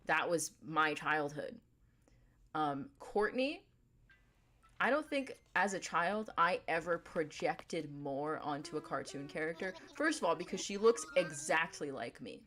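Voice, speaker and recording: A young woman with a deep voice chatting casually on a gaming livestream, rambling in a playful, laid-back way. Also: expressive, unhurried, fairly bright tone. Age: young adult.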